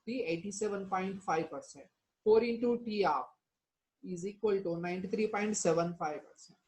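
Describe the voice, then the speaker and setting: A woman teacher speaks with a South Asian accent at a middling pitch. She explains material step by step in an instructional way, often pausing to prompt her students with short questions and tag words. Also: a little mellow, low-quality recording. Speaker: chemistry teacher.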